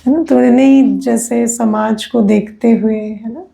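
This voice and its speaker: A woman's voice: on the high side, fairly even intonation, measured pace, vocal fry, dark tone. A woman, a spiritual teacher giving a conversational discourse that is full of tag questions and personal anecdotes.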